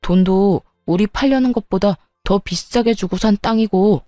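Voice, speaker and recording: A woman's voice: mid-range voice, moderate pace, dark tone, dry recording, clean studio sound, soft background music, natural voice. A woman voicing a petty, scheming young husband who talks in a blunt, dismissive way. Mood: cold dismissive.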